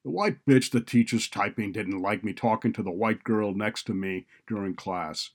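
A man's voice: lowish voice, moderate pace. Audiobook role: young male delinquent student, angry swagger, insolent and slangy, performed by a male narrator. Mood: sullen, mocking. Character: angry, defiant young male student and petty drug dealer.

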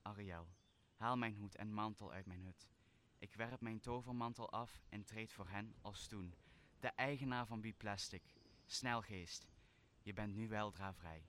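A student actor playing a solemn, wronged sorcerer who turns to forgiveness in a Shakespearean radio play, with deliberate, declamatory delivery. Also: male voice, lowish voice, a bit bright, a little hiss or hum. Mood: stern, forgiving.

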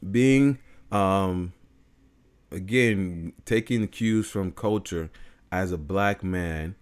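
A man's voice: deep voice, takes it slowly, smooth. A man who sings and has a big voice, co-hosting a casual chat with hesitant restarts and easy laughter. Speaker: podcast co-host, singer.

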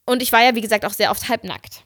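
A young woman co-hosting a casual podcast, telling a story in an animated way. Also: a little high, quick pace. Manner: animated, acting out dialogue, giggly. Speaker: podcast co-host.

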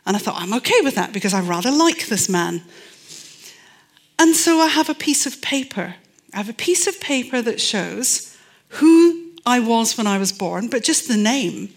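A woman's voice: on the high side, big pitch swings, normal speed. A middle-aged Scottish woman, a forensic anthropologist, giving a public talk and telling stories with dry humor and emphasis. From Scotland.

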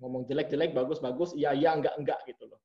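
A man's voice: mid-range voice, fairly even intonation, fast talker, highs cut off. A man in casual interview chat, who talks with animation and sometimes mimics blunt, direct speech. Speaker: interview guest.

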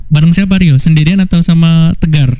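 Host: man, mellow and a bit high, playful teasing questions, faint music underneath. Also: steady tone, a little fast, smooth. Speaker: interviewer. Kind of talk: casual remote interview chat.

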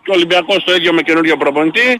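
Bright, higher-pitched male radio caller. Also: steady tone, rough recording. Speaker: caller to a sports radio show. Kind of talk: casual sports fan chat.

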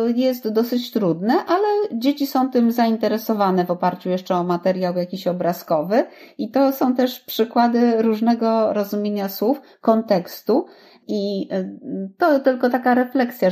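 A woman who teaches social skills to children talks through her thoughts slowly, with frequent pauses. Her voice has a warm, mellow, darker tone. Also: fairly high pitch. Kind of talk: casual discussion.

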